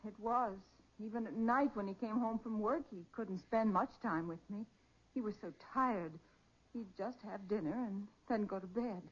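An actress playing a bereaved sister, hesitant and plaintive, in the style of 1940s radio crime drama. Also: female voice, mid-range voice, normal speed, slightly rough, lightly acted. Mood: subdued, hesitant. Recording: dull, muffled 1940s radio recording.

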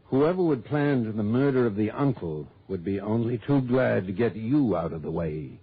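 A man's voice: on the low side, expressive, moderate pace, faint music behind. An actor playing an opinionated, folksy male client who insists on his suspicions, in 1960s radio drama style. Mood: insistent. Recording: tinny old radio broadcast.

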